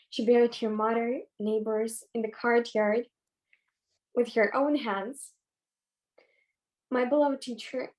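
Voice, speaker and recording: A twelve-year-old girl with a Ukrainian accent, giving halting, earnest personal testimony over a video call. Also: fairly high pitch, darkish tone, poor audio. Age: child, twelve. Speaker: young participant in a play reading.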